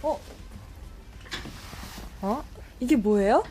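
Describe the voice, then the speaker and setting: Playful, giggly woman with a high voice. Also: lively intonation, very slow, warm tone, a little hiss or hum. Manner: playful, giggly, speaking to jars of rice. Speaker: experiment participant. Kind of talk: casual talk. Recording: music playing behind.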